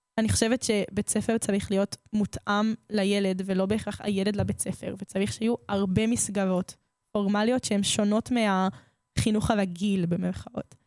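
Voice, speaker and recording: A woman speaks at a moderate pace and medium pitch with fairly even intonation. The sound is dry and close, with no echo. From northern Israel, lived long in Australia. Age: 20s. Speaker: soldier-teacher. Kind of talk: radio interview.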